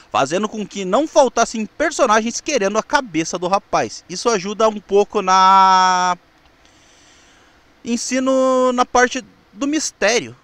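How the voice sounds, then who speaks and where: A man's voice: sits high, a bit bright, dry recording. A man with a Brazilian accent, hosting and narrating a semi-scripted recap in an informal, slightly stumbling way. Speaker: host of a retro television review show.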